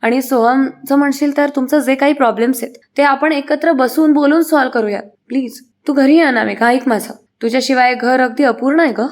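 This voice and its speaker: A woman reading the lines of a caring elder sister-in-law who gently reassures, in her own voice. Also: sits high, fairly even intonation, a little fast, few pauses, close to an everyday voice. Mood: soothing. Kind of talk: reading a serial recap aloud.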